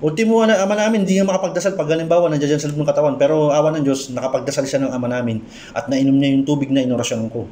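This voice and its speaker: A man sharing a story of his folk healing work in a slow, halting way, often pausing and restarting. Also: fairly even intonation, reverberant, a little hiss or hum. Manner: drops low and soft when quoting his prayers and advice. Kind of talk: storytelling monologue.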